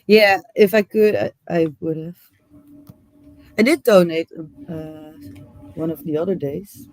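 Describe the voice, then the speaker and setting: A woman guest chatting casually on a livestream, relaxed and hesitant with many fillers. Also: on the low side, measured pace, no echo. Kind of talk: casual chat.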